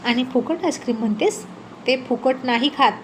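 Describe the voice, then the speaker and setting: A fiercely protective village mother lashes out in hard, pointed questions in a spoken storybook, as a woman narrator puts her on. Her voice sits high and presses each word. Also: fairly quick, slight background noise, close to an everyday voice. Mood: furious.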